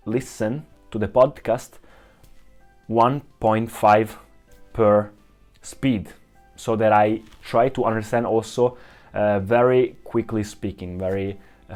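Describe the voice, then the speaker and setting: A young Italian man vlogs casually to camera in English, his Italian-accented voice on the low side with a darkish tone. He frequently restarts sentences and searches for the right words.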